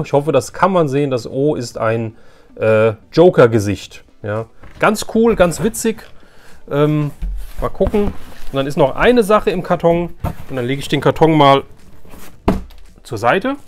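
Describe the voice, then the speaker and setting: A man doing a casual unboxing commentary for viewers, thinking aloud informally and giving frank opinions. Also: a little high. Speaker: YouTube host unboxing products.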